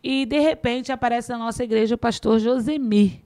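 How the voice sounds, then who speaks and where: A middle-aged woman pastor telling her testimony in a podcast interview, lively and acting out the dialogue, often laughing. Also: fairly high pitch, fairly quick. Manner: animated storytelling, acts out dialogue, laughs often.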